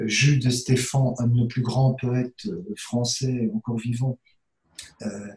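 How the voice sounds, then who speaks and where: A man's somewhat breathy voice, dark and mellow in tone, at a medium pitch and a fairly slow pace. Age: 60s. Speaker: theatre director. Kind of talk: interview. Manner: halting, many hesitations.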